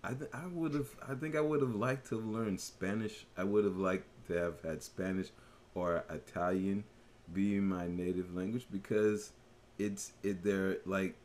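A man's voice: sits low, fairly even intonation, a little slow, darkish tone. A man co-hosting a podcast, talking casually and hesitantly with many fillers and restarts. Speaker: podcast co-host. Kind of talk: casual chat.

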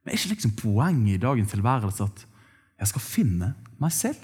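A man's voice: lowish voice, big pitch swings, a little mellow, husky. A male pastor giving a conversational sermon in a church, asking the congregation rhetorical questions.

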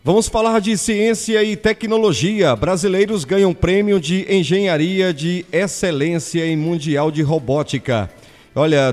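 A man's voice: a little high, a little mellow, big-room sound. A man anchoring a radio news show with chatty, upbeat asides between items. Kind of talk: live news presenting.

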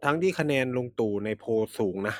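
A Thai man co-hosting a podcast, trading quick remarks in casual political chat. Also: mid-range voice, lively intonation, darkish tone, dry recording, studio quality. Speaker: podcast co-host.

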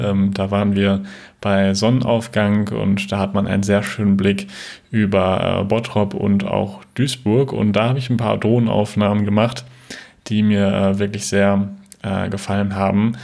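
Male contributor from the Ruhr, lowish pitch with vocal fry, even delivery, informal message. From Ruhr area, Germany. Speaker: listener sending a voice message.

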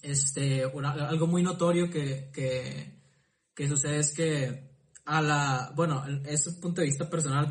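A man in a casual podcast chat, thinking aloud with frequent restarts and repeated words. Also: on the high side. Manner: thoughtful, hesitant, many restarts and repeated words. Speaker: podcast participant.

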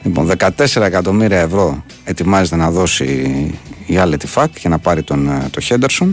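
A man hosting a Greek sports radio show in casual banter, talking with lively ups and downs. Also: soft background music. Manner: animated, jumps up and down in pitch.

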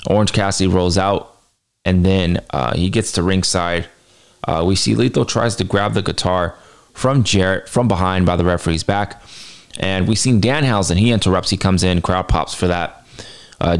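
A man's voice: low-pitched, clear, resonant tone. A man recapping wrestling as a commentator and reviewer, speaking conversationally and mixing match description with his own opinions. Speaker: wrestling show reviewer and host.

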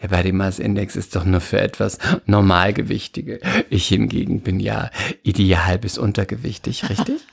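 A man co-hosting a casual chat podcast, telling an animated, teasing story with acted-out dialogue. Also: low-pitched, normal speed, creaky, breathy edge. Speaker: podcast co-host.

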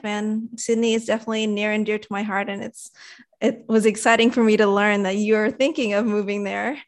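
A woman in her thirties from Indonesia, raised in Sydney, whose first language is Indonesian, speaking as an interview guest over a video call in an articulate, upbeat way. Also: mid-range voice. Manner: articulate, upbeat, laughs easily. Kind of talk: casual interview.

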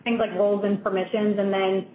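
A woman speaking as a company finance executive answering on an earnings call, in a measured, careful corporate manner. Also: medium pitch, level tone, a crowd in the background. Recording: echoey, tinny conference phone line with noise.

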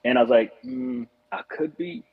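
A man's voice: medium pitch, moderate pace, breathy edge. A man from Rwanda, a guest on a podcast, telling his story in a reflective, earnest way with frequent restarts. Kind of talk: casual podcast conversation. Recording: muffled lo-fi audio.

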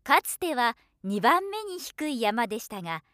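A woman giving scripted narration as a professional voiceover artist, with a measured, polished delivery. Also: on the high side, big pitch swings, fairly bright tone, no room sound, studio quality.

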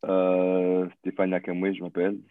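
A man's voice: sits low, completely flat delivery, unhurried, no echo, narrow, tinny audio. A man in his thirties from Burundi, a podcast guest who answers with hesitant fillers and restarts. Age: 30s. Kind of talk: casual interview talk.

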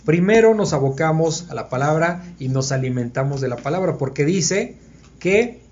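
A man's voice: a little high, expressive, normal speed, darkish tone. A man leads a conversational Bible study for a small group. He thinks aloud and keeps checking that his listeners are following. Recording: dull lo-fi recording.

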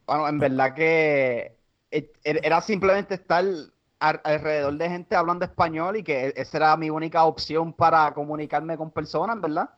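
A Puerto Rican man talking casually as a podcast guest, with a voice a little higher than most men's. He stumbles and restarts often, dropping English words into his Spanish. The sound is somewhat dull and muffled. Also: steady tone, a bit bright. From Puerto Rico. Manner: halting, many restarts, slips into English. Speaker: guest comedian.

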